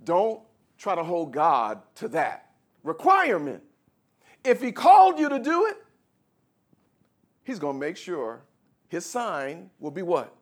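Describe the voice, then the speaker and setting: A man delivers an animated sermon to his congregation. His voice sits high for a man and leaps all over the place, dropping low and quiet, then rising into shouts as he plays out the scripture. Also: slow, long pauses. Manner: animated preaching, acts out a stammering Moses with shouts. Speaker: pastor.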